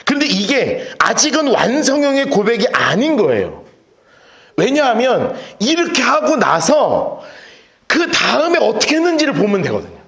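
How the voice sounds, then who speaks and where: A man preaches from the pulpit in a high, lively voice that swoops up and down as he acts out the story. His voice rings through an echoey church hall, picked up by a handheld microphone. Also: moderate pace, gravelly. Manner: animated storytelling, acting out voices. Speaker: pastor. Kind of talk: sermon. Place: church sanctuary.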